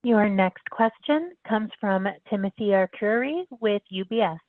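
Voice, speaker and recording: A woman's voice: mid-range voice, lively intonation, unhurried, dry recording. A woman working as a conference call operator, making a scripted announcement. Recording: narrow phone-like line, dry.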